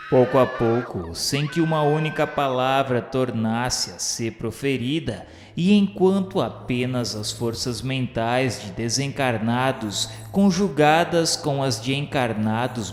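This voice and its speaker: A man narrating a radio novel in a solemn, formal, declamatory manner. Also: medium pitch. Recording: echoey hall reverb with music behind. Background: music.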